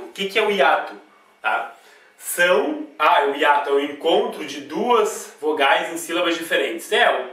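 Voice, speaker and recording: Brazilian guy teaching grammar, kinda high voice, lots of echo, sounds far from the mic. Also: fairly bright tone. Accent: Brazilian Portuguese. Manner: emphatic, repeats key words, ends phrases with "tá?". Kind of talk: classroom lesson at a board. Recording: very echoey room, voice from a distance.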